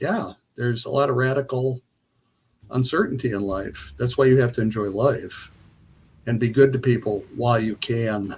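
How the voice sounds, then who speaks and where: Somewhat breathy, a man speaks at a moderate pace with fairly even intonation and long, frequent pauses. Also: medium pitch for a man. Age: 70s. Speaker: caller on a livestream. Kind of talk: casual debate. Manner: halting.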